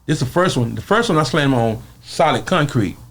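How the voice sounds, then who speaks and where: His voice runs on the high side, animated and a bit bright, at a normal pace. The man, a Southern Black speaker from Arkansas appearing as an interview guest, recounts a story colloquially and acts out what others said.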